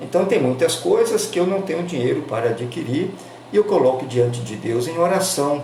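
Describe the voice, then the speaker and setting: The speech moves at a moderate pace with lively intonation, set against audible room echo and noticeable background noise. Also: man, fairly high pitch for a man. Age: 60s. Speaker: pastor. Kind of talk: sermon. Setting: home worship broadcast.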